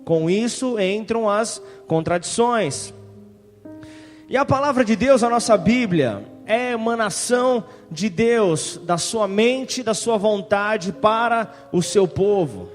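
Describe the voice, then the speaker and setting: A high-voiced man preaches as pastor, reading scripture passages and pausing to call for amens. His voice rings out in a hall with a long reverb, with soft music faintly underneath. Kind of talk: sermon.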